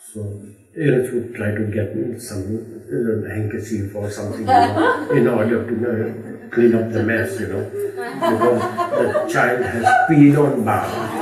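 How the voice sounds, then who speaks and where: Music plays in the background while a man speaks at a very slow pace. His voice sits at medium pitch with ordinary pitch variation. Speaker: devotee recounting personal memories. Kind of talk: oral history storytelling.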